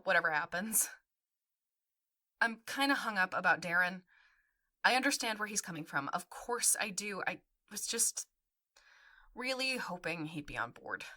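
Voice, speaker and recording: A woman's voice: mid-range voice, bright, forceful tone. An actress playing a supportive, frank young woman in naturalistic audio drama dialogue. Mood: unsure.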